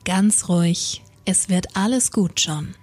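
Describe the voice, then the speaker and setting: A woman voicing Death as a calm male shadow figure, speaking low and hushed in a soothing tone. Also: slow pace, breathy edge, no room sound, soft background music.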